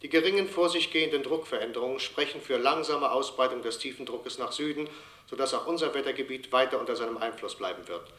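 A man's voice: medium pitch, quick pace, pushed and bright. A man playing an officious public announcer, formally reciting regulations and bulletins in a radio drama. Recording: long hall reverb.

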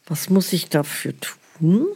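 An actress playing a sceptical, naive elderly care-home resident with a husky smoker's voice, speaking slowly and hesitantly in a radio play. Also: female voice, on the low side, lively intonation, a little mellow, full character voice. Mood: sceptical, curious. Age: older. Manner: slow, hesitant, repeating herself. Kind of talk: naturalistic radio play acting.

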